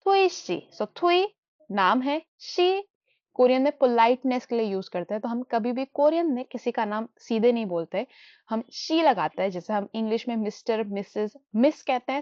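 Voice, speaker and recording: A woman teaching a beginner language lesson, mixing Hindi and English and repeating each new word slowly several times as a drill. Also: fairly high pitch, darkish tone, no echo. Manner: mixes Hindi and English while explaining. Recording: dull, muffled dry recording.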